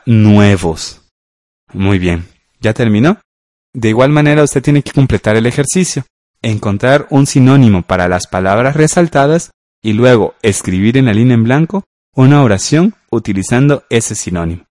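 A man, teaching a radio school language lesson in a patient, slow way and often checking in with listeners. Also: medium pitch, animated, a little mellow, no room sound, clean studio sound.

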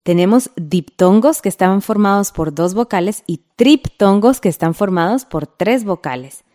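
A woman with a mellow, warm voice leads a scripted radio class. She speaks patiently and stretches out each example word so the learners can follow. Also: mid-range voice, expressive. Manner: slow, patient, drawing out example words.

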